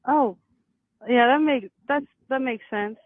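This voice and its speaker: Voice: sits high, slow, no echo. A caller to a talk show who speaks hesitantly and stammers, heard over a phone line. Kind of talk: phone call-in.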